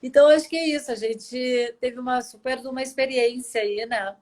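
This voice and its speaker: A woman's voice: high voice, fairly even intonation, fairly quick. A Brazilian woman in her forties hosting a live video chat, telling personal stories with emotion. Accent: Brazilian Portuguese. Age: 40s. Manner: emotional storytelling, warm and chatty. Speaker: host. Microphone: video call.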